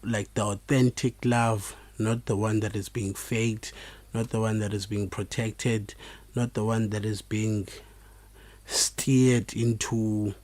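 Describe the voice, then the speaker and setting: Low-voiced man with a Xhosa accent. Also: level tone, darkish tone, no room sound. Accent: Xhosa South African. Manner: halting, reflective delivery with repeated words. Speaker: podcast host. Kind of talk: informal solo podcast talk, mixing two languages.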